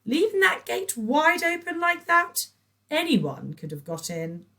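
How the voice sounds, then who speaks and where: Woman doing a high trilling busybody neighbour, middle-aged, saccharine, pet names, storybook villain, swooping lilt. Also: huge pitch swings, measured pace, sharp tone, heavily acted. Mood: gushing. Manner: trilling, gushing, showers everyone with pet names. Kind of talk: storybook reading.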